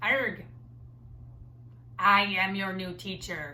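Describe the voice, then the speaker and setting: A female-sounding voice at medium pitch puts on a gravelly, growling character voice. Clear background noise is present. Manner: growly.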